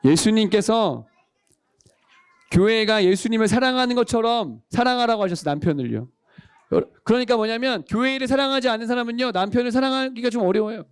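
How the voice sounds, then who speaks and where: A man's voice: very high-pitched, animated, brisk, clear, resonant tone, no room sound, clean studio sound. A male pastor preaching a sermon, quizzing the congregation and calling for amens. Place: church worship service.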